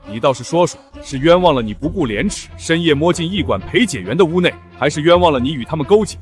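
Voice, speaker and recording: A man's voice: on the high side, expressive, quick pace, natural voice. A man playing a stern, angry middle-aged marquis and father in a costume drama, scolding imperiously. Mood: furious. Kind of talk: costume short drama acting. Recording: music behind the voice.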